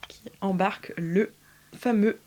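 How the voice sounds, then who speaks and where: A woman's voice: mid-range voice, steady tone, a little slow, darkish tone, slight background noise. Hesitant woman running a tabletop game. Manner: hesitant, many fillers, laughs often. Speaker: game master. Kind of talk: narrating an improvised tabletop game.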